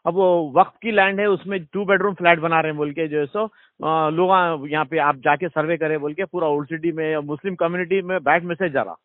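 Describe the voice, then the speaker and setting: A man's voice: fairly high pitch, steady tone, brisk, no room sound. A man with a Hyderabadi accent making a deferential request in an informal recorded phone call. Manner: deferential, repeating short acknowledgments. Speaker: community caller petitioning a minister. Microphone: phone line.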